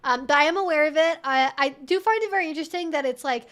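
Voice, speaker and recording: Woman, high voice, livestream host, casual rambling chat, amused, thinking aloud. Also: fast talker, a bit bright. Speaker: livestream host and kink educator. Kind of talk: casual live Q&A chat, reading out and reacting.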